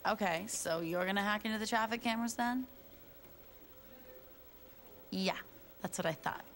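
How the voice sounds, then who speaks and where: A woman plays a laid-back young gang member in a game cutscene, cheeky and sarcastic in tone. Her voice sits at a middle pitch, with game background noise clearly audible. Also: moderate pace, a bit bright, natural voice. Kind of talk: video game cutscene acting.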